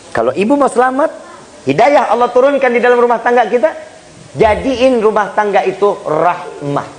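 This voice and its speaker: High-voiced, jokey male preacher. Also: slight background noise, poor audio. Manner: jokey, animated, swings between loud and hushed; addresses listeners directly as Pak and Bu. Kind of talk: humorous sermon to a congregation.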